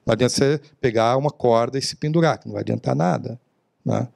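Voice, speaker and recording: A middle-aged man from Brazil, giving a lively motivational talk and acting out little scenes as he goes. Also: mid-range voice, fast, creaky, no room sound, clean studio sound. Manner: animated, acts out little scenes with his voice. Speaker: motivational speaker. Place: lecture hall.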